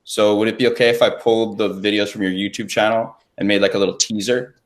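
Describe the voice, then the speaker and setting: A man's voice: fairly low pitch, steady tone, quick pace. A man, hosting an interview in a casual, conversational style. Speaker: podcast host.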